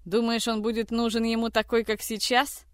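A reader voicing a furious man who shouts harsh accusations in a tirade for an audiobook. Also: medium pitch, monotone, moderate pace, clear, resonant tone, no echo, clean studio sound, pitched above the performer's own voice, close to an everyday voice. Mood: enraged. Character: furious man, a general's grandson, lashing out.

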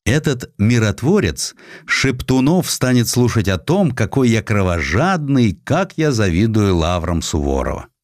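A man's voice: lowish voice, very animated, a little slow, no echo, clean studio sound. Man reading as proud, brooding, defiant general. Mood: sarcastic. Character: defiant, embittered 19th-century Russian general, proud and brooding.

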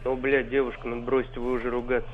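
Fast exasperated man on a phone held away. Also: medium pitch, completely flat delivery, over a noisy crowd. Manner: exasperated, scolding, fast retorts. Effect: phone call heard through a handset held away from the mic. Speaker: person answering a prank call. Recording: tinny distant phone line.

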